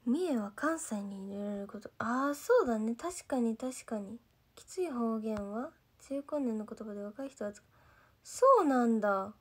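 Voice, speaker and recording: An idol trainee from Gifu chats with fans during a casual livestream, reading out their comments in mostly standard Japanese with a light Gifu dialect. Her slightly high voice is expressive with a breathy edge, at a moderate pace. She rambles on, loses her thread, and fills in with "nanka" again and again.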